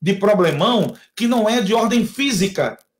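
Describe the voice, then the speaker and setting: This man talks in a high pitch with an animated, passionate tone and ordinary pitch variation. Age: 40s. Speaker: pastor. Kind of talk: live-stream conversation. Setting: live stream video call.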